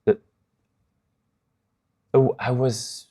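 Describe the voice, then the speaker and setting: A man's voice: medium pitch, very animated, very slow, warm tone. A man from Taiwan who moved to Chicago, talking candidly and conversationally as an interview guest.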